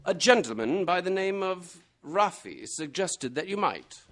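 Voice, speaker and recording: A man playing a composed, courteous gentleman detective in a radio mystery, speaking formally and precisely. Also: high voice, lively intonation, a little slow. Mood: reassuring, formal. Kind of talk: radio mystery drama acting.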